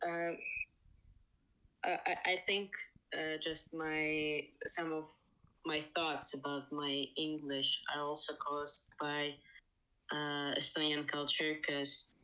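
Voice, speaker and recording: Slow low-voiced woman with a Russian accent. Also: level tone, sharp tone, smooth, rough recording. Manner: hesitant, many fillers and restarts. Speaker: podcast guest. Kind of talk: casual interview talk. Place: Estonia.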